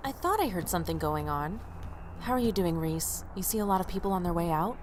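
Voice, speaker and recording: A woman's voice: fairly low pitch, expressive, fairly quick, noisy background, close to an everyday voice. An actress playing a frank, pragmatic young woman with a blunt, matter-of-fact manner in an audio drama. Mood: casual.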